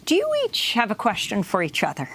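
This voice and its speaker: An older woman hosting a news interview in a TV studio, measured and announcing. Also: mid-range voice, huge pitch swings, fairly bright tone, slight background noise, poor audio. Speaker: host.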